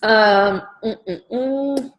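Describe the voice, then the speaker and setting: A woman's voice: fairly high pitch, drawn-out words, poor audio. A woman coach leading a group call, encouraging and talking loosely with fillers and restarts.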